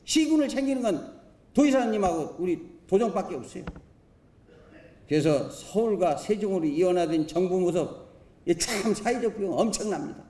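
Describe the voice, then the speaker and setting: A man's voice: high-pitched, animated, normal speed, warm tone. A man, a provincial council member delivering a questioning speech at a podium microphone, emphatic and fond of rhetorical questions and folksy sayings. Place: council assembly chamber. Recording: roomy chamber echo.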